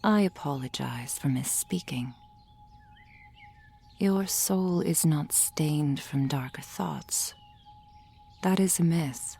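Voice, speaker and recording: A woman playing a gentle, reassuring soul healer in an ASMR roleplay, speaking in a soft, formal whisper. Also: low voice, takes it slowly, gravelly, pauses often, slightly rough, exaggerated voice. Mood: soothing whisper.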